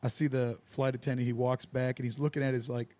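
Young man hosting a podcast, lively anecdote teller who plays out the dialogue, mid-pitched, dry close sound. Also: fast, dry recording. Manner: animated storyteller who acts out quoted dialogue with lively voices. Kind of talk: casual storytelling chat.

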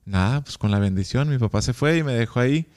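Animated Mexican man telling a story. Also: mid-range voice, fast. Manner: animated, acts out quoted dialogue. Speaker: guest. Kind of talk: casual storytelling interview.

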